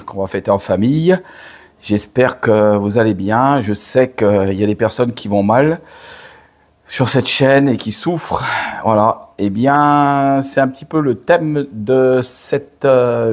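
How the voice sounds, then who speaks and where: An older man, hoarse from a cold, chatting slowly to camera with many hesitations and restarts. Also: medium pitch, darkish tone. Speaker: father and channel host. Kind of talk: casual direct-to-camera chat.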